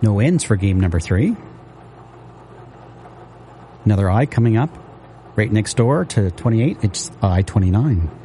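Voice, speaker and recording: A man calling bingo numbers on local radio, repeating each one slowly and steadily. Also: fairly low pitch, expressive, dark tone, a little hiss or hum.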